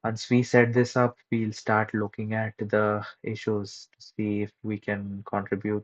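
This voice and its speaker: Mumbling at a fairly slow pace, a man speaks in a monotone, flat way with big swings in loudness, the sound dry and close with no echo. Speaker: live-coding streamer. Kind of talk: live coding stream. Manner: hesitant, many fillers.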